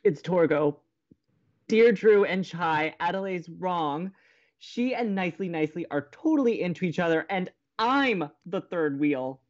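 A fretful young college radio co-host played by an actor in a romantic comedy podcast. The delivery is exasperated and melodramatic, with very mobile pitch. The sound is slightly dull. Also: animated, a little slow, close to an everyday voice. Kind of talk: romantic comedy audio drama dialogue.

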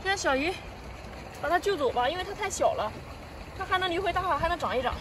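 A woman vlogging as she forages on a rocky seashore, giving excited live commentary full of delighted cries. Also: very high-pitched, quick pace, a little hiss or hum. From Shandong, China. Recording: distant mic with loud outdoor ambience.

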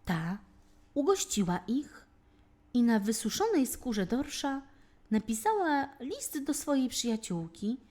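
Female fairy tale narrator for children: high-pitched, unhurried, very melodic and expressive delivery. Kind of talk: scripted children's storytelling.

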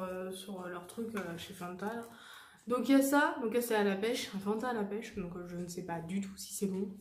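A young woman chatting casually through a shopping haul, rambling and correcting herself with many fillers. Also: medium pitch. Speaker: vlogger showing a shopping haul. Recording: echoey room with faint noise.

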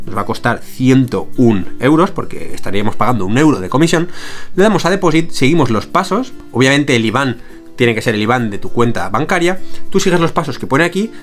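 Working from a small room, a young tutorial host walks viewers through a screen-share lesson one step at a time. He has a medium-pitched voice, a Spanish accent from Spain, and an energetic way of explaining.

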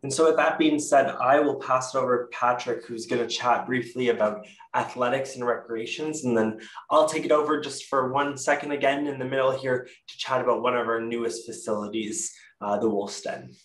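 A young man with a Canadian accent walks viewers through student life in a relaxed, chatty way. He stumbles now and then and corrects himself. His voice sits back from the mic and rings in a roomy space. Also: mid-range voice, fairly quick. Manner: casual, self-correcting with frequent fillers. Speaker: university presenter. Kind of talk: virtual info session presentation. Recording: echoey room, distant mic.

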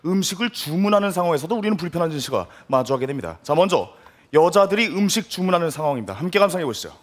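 The narrator of this sketch comedy bit races along in a sing-song voice on the high side, keeping a mock-serious tone. He poses rhetorical questions with laughing asides, recorded on a live studio stage with a noisy audience crowd behind him.

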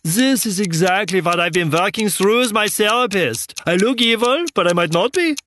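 A man's voice: high-pitched, lively intonation, moderate pace, a bit bright, a little hiss or hum. A man voicing a misunderstood villain, plaintive and aggrieved. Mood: wounded, defensive. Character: aggrieved, misunderstood evil-looking male villain.

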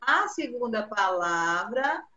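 A bright, fairly high Brazilian woman teaching a class of young children, coaxing them patiently and drawing out each word. Her voice rings in an echoey room. The video-call sound is dull and muffled. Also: big pitch swings, slow pace. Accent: Brazilian Portuguese. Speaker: primary school teacher.

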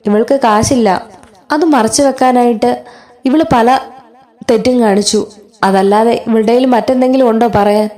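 A woman's voice: on the high side, steady tone, moderate pace, pauses often, warm tone, natural voice. A woman voicing a harsh older sister who scolds and accuses in a serial story recap. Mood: scolding.

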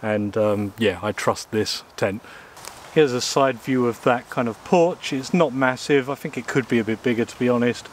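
Chatting casually with many ums and uhs, an Englishman reviews outdoor gear in woodland, in and beside a small tent. His medium-pitched voice moves at a moderate pace, and the camera mic, at close and mid distance, carries a little hiss or hum.

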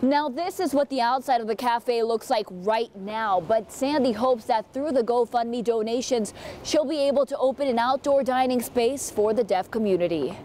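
A young woman reporter delivering a scripted news report in a crisp, measured way, partly on camera on a city street. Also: on the high side, dark tone, a little hiss or hum.

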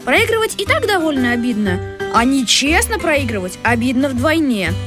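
A woman narrating a children's tale in the first person with a brisk storytelling manner. Her voice sits high. A music bed runs underneath her. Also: very animated. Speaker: audiobook narrator.

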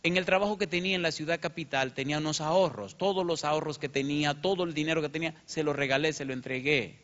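A man's voice: fairly even intonation, fast, a bit bright. A man preaching a sermon as pastor. He tells a story with feeling and raises his voice when he quotes people. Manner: emotional storytelling, rising pitch when quoting. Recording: muffled lo-fi sermon recording.

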